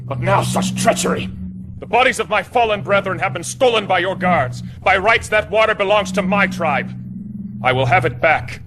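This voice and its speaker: An actor playing a fierce, proud desert tribal leader, declaiming confrontationally in a dramatic game cutscene. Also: male voice, sits high, moderate pace, close to an everyday voice. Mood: outraged, threatening. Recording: loud music behind.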